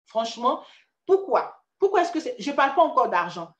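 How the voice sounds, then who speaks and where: Speaking at a normal speed in a roomy space, a woman with a high, very animated voice and an Ivorian French accent from Ivory Coast gives a casual motivational career-coaching talk. She chats directly to the listener and often restarts her sentences.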